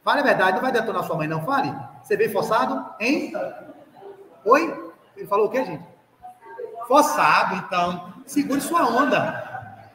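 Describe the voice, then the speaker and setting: A Brazilian man giving a live spiritist lecture, lively and joking, who talks straight to his listeners and acts out the parents he quotes. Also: high-pitched, moderate pace, pauses often. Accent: Brazilian Portuguese. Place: spiritist center hall. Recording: echoey hall recording with light background noise.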